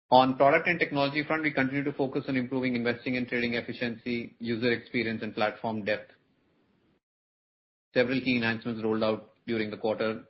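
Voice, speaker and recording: Monotone man reading formal earnings remarks. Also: mid-range voice. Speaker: company executive. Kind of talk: scripted earnings presentation. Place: conference call. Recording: muffled conference line, background noise.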